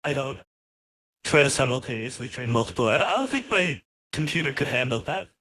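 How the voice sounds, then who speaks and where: A man's voice: medium pitch, expressive, brisk, sharp tone, no room sound, studio quality. Rambling man through a voice changer. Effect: real-time AI voice changer. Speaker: host demonstrating voice changer software. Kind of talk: casual live software walkthrough.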